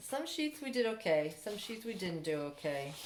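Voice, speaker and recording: Against noticeable background noise, a woman at a medium pitch makes very wide pitch swings. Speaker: elementary school teacher. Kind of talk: online lesson.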